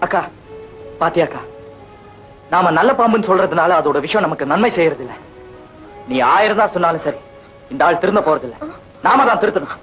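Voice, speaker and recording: An upset kid brother, earnest and fired up, high voice, music under it. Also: male voice, expressive, fairly quick, long pauses, a bit bright, poor audio. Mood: indignant. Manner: earnest, indignant. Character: loyal angry younger brother. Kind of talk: 1980s film melodrama.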